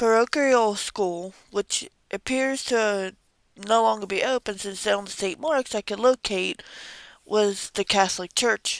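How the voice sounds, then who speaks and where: Mumbling at a fairly slow pace, a woman speaks fairly high with lively intonation on a very clean recording with a silent background. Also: dry, close sound with no echo. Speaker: amateur history researcher; parent. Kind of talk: casual history narration. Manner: somewhat mumbled.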